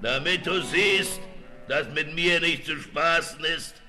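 A boastful man-eating Cyclops giant for an audio drama. The voice is very forceful and raised a little in pitch, with grandiose, threatening words drawn out very slowly. A faint noise sits behind it. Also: soft background music, exaggerated voice. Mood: menacing, gloating. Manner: booming, grandiose, slow threatening delivery. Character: boastful cruel male Cyclops giant, menacing man-eater. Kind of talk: German audio drama acting.

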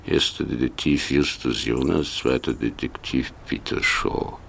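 An actor playing a genial, courteous older man questioning young detectives in a German radio play, with a gravelly voice. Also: a bass voice, unhurried, fairly bright tone, slight background noise, exaggerated voice. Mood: curious, skeptical.

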